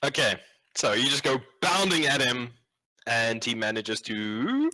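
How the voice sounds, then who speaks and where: A man's voice: mid-range voice, big pitch swings, unhurried, pushed and bright. A man acting as game master, improvising tabletop game narration in a casual, sweary, slangy way.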